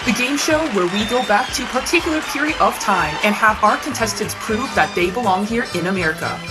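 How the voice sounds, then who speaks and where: A woman's voice: mid-range voice, lively intonation, brisk, natural voice, poor audio. A woman playing a showy game show host in a theatrical parody. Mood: showy, welcoming. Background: music.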